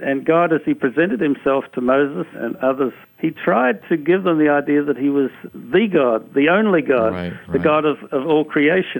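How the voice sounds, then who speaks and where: Fairly high in pitch, a man speaks at a moderate pace with lively intonation and an Australian accent. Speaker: magazine editor. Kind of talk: interview conversation. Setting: studio.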